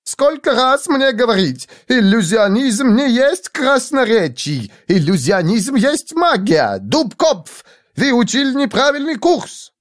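A man's voice: high-pitched, big pitch swings, slow pace, clean tone, no echo, studio quality, pitched above the performer's own voice, exaggerated voice. A man voicing a shaggy, fussy male hypnosis tutor who scolds shrilly in broken speech. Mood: scolding.

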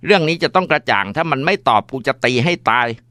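Man doing a distraught mother, raised and trembling, slow scolding, smooth voice, dry sound. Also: fairly high pitch, lively intonation, sharp tone, no echo, voice pushed up, exaggerated voice. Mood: furious. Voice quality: trembling, bitter. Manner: slow scolding then pleading. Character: furious grief-stricken older mother.

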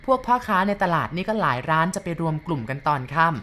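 A woman reading a first-person ghost story aloud in a plain, unhurried way. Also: low-pitched, lively intonation, sharp tone.

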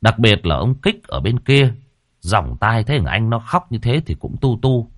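A man, narrating a folksy ghost story in a lively, colloquial way. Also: fairly low pitch, moderate pace, no room sound, clean studio sound.

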